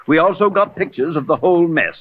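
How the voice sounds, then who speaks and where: A police records clerk who turns every line into a flowery speech with a sardonic edge. His voice sits somewhat high and leaps around. The sound is thin and phone-like, like a 1940s radio broadcast. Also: animated, fairly quick. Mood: mock-grand. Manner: ornate, theatrical phrasing.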